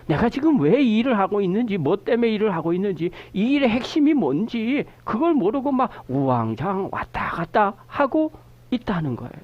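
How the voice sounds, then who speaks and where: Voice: medium pitch, sing-song, no echo, highs cut off. A pastor preaching a Sunday sermon in a church, explaining scripture and questioning the congregation. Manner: explains a scripture word's meaning slowly. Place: church sanctuary.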